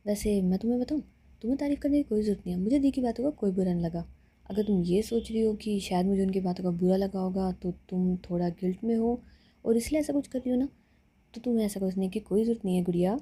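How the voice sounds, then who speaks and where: A woman voicing a playful young woman who teases her lover, speaking softly. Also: mid-range voice, fast, slightly rough, lightly acted. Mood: teasing.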